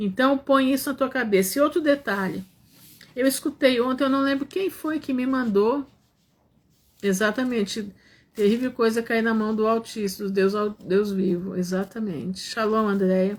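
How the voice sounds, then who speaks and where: A woman with a fairly high pitch speaks at a moderate pace with lively intonation and a somewhat breathy sound. Long, frequent pauses break up her speech. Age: 60s. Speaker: evangelical live-stream preacher. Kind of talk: religious live stream talk. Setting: live stream reading chat. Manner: emphatic, repetitive.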